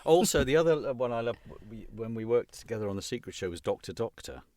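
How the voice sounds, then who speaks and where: A man's voice: mid-range voice, animated, fast talker, darkish tone, no room sound. A middle-aged man hosting a casual podcast interview, chatting with his guest. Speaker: podcast host and fellow voice actor.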